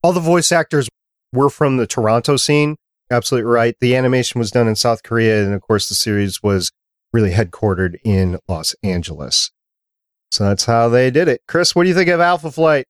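A man hosting a podcast in casual chat, steering the talk and quickly adding facts. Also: medium pitch, animated, no echo, studio quality. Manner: leads the talk, quick and factual. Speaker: podcast host.

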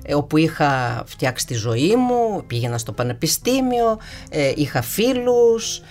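A woman who grew up speaking Russian, with a slight tremble in her voice, talking in a reflective, unhurried way with soft fillers in an interview. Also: sits low, very animated, soft background music. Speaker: guest singer. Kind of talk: relaxed interview conversation.

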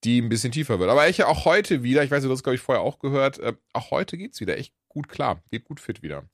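A man with a cold and a hoarse voice, co-hosting a podcast in casual, rambling chat. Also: mid-range voice, expressive, fast, no room sound, studio quality. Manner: chatty, rambling, trailing off. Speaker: podcast co-host.

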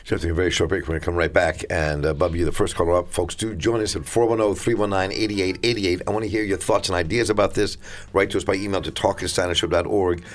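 Smooth, very deep-voiced radio host man. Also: steady tone, fast talker. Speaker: radio talk show host. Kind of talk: live call-in radio talk show. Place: radio studio.

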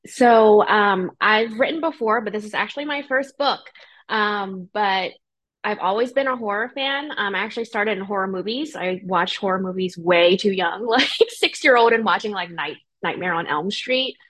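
A woman's voice: medium pitch, moderate pace, a bit bright. A woman speaking as an author guest in a casual interview, informal and conversational. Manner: informal, frequent "you know" and "like". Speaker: podcast guest, debut novelist.

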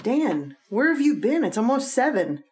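Expressive, solicitous radio-drama wife. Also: female voice, on the high side, moderate pace, a little hiss or hum. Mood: gently concerned. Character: attentive, concerned wife of a tired businessman. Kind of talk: old-time radio drama acting.

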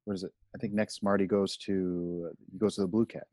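A man co-hosting a casual discussion, speaking haltingly as he searches for words. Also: low voice, level tone, dark tone, no echo, studio quality. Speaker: podcast co-host.

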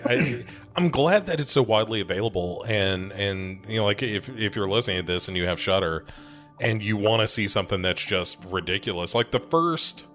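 A man with a fairly low voice co-hosting a podcast, earnest and emphatic as he talks. Faint music plays underneath. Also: animated, moderate pace, a bit bright. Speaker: podcast co-host. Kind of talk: casual chat about horror movies.

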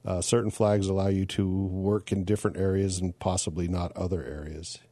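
A man from the United States hosts an interview in a low, mellow voice. He asks curious questions and tells relaxed stories. The sound is dry and close. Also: brisk, dry recording. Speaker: podcast host. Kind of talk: casual interview questions and anecdotes.

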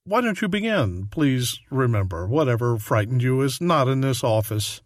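An actor playing a calm, patient psychiatrist speaking in a soothing, measured, clinical way in a comic radio play. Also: male voice, mid-range voice, dry recording, clean studio sound, natural voice.

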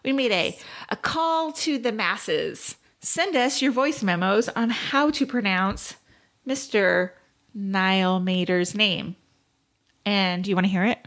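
A woman's voice: mid-range voice, slow pace, a bit bright. A woman co-hosting a podcast in casual, chatty banter, often giggling as she talks. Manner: giggly, laughs readily while talking. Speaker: podcast co-host.

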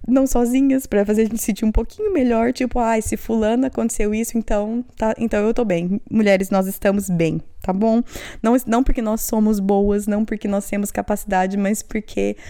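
A woman in her thirties hosting a podcast, telling a family story in an animated way and acting out her children's high voices. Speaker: podcast host. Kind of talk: storytelling monologue.

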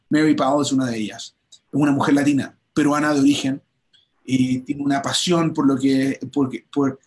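Upbeat man hosting a promo chat. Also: a little high. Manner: enthusiastic, promotional, many restarts. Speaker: host. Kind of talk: livestream interview chat.

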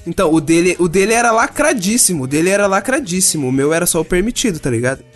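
A man's voice: sits high, big pitch swings, fast, soft background music. A young Brazilian man, telling a story in a casual, swearing chat and acting out the other people in it. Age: young adult. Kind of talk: casual chat, animated anecdote with slang and swearing.

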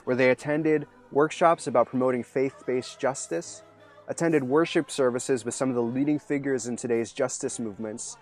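A man narrating a scripted report about a faith-based justice conference. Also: mid-range voice. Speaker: video host and interviewer.

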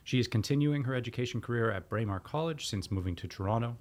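A man's voice: mid-range voice, animated, fast. A man hosting a podcast, reading out guest introductions and then asking friendly questions with some restarts. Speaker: podcast host.

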